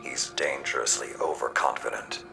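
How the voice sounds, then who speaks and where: Gravelly, very deep old war commander. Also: male voice, fairly even intonation, moderate pace. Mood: stern, distrustful. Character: stern, battle-hardened old male commander, uncompromising. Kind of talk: dramatic video game acting. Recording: loud music under the dialogue.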